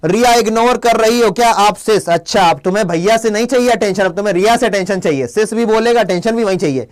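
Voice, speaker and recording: A young man with a Hindi accent and a voice that sits high talks fast while teaching a live online English class with quiz questions. He's playful and scolds his chat commenters.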